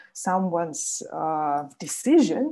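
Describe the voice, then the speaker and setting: A woman speaks with a Russian accent. Her voice is somewhat breathy with a dark, mellow tone. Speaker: social scientist panelist. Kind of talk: webinar panel discussion. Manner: halting, many fillers.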